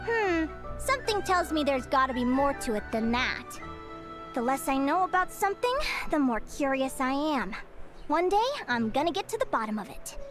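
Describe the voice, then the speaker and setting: A curious, bookish young bird fae for a video game. Her voice sits high and bright, and she talks with eager, articulate wonder that drifts into wistfulness. Soft music hums underneath. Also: sing-song, normal speed. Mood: determined.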